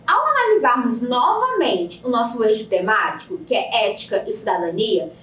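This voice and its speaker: Lively high-voiced teacher in echoey room. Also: female voice. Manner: slow, deliberate syllable-by-syllable explanation. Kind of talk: recorded video lesson. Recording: echoey room, a bit distant from the mic.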